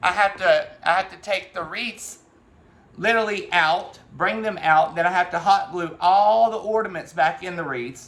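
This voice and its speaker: At a moderate pace, a man with high pitch and ordinary pitch variation talks with big swings in loudness. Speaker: channel host, spiritual livestreamer. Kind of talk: casual livestream chat. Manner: rambling, hesitant with repetitions.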